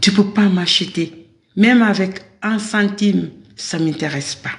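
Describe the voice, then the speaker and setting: Very slow, somewhat breathy woman's voice at medium pitch with ordinary pitch variation. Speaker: political commentator. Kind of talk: political rant. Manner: animated.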